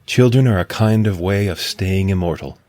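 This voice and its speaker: An actor voicing a thoughtful male android, soft-spoken and reflective. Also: low-pitched, moderate pace, lightly acted. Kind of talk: radio drama acting.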